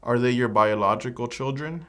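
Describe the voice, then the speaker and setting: Brief: man, mid pitch, formal officer asking steady scripted questions. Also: normal speed. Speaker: mock immigration officer. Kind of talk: scripted mock interview.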